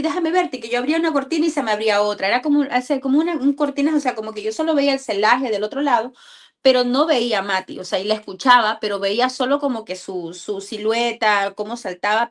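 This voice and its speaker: A mother telling a personal faith testimony in a halting way, often repeating words and restarting phrases. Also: fairly high pitch.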